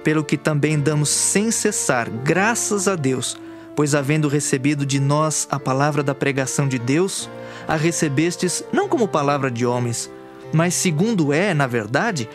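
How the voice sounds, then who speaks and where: A man's voice: on the high side, expressive, unhurried. A man with a Brazilian accent reading scripture from a script for an audio Bible, in an earnest, declamatory way. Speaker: scripture reader. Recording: music under the voice. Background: background music.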